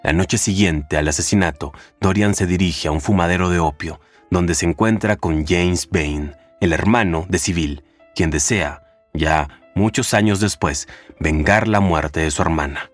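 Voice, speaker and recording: A man narrates a summary of a classic novel in a measured, deliberate storytelling voice. His voice sits very low and deep. Soft music plays faintly underneath. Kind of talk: scripted narration of a book summary.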